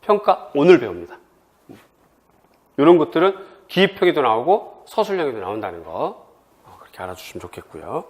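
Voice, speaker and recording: Lively chatty male exam lecturer. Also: medium pitch, fairly quick, pauses often. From Seoul. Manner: lively, chatty, tells personal anecdotes. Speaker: exam prep instructor. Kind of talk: admissions info session lecture.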